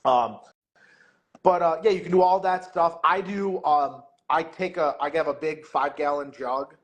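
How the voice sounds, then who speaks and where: A man's voice: fairly high pitch, moderate pace. A man talking casually as a podcast guest, rambling with lots of filler words. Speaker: guest, meet director and MC.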